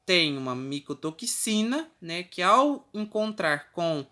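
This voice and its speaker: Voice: mid-range voice, very animated, slow, bright, forceful tone. A teacher with a Brazilian Portuguese accent giving a recorded class, explaining step by step with frequent checking tags and the odd self-correction. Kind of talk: recorded online class lecture.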